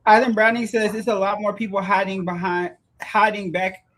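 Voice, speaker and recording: A woman's voice: mid-range voice, flat delivery, normal speed, fairly bright tone. A trans woman on a podcast panel, trading blunt, sassy quips in casual group talk. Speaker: podcast co-host.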